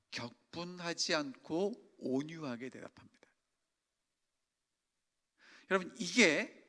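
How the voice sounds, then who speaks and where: A man's voice: high-pitched, pushed and bright. A man preaching a sermon as senior pastor, speaking emphatically and putting questions to his congregation. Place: church sanctuary. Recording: long church reverb.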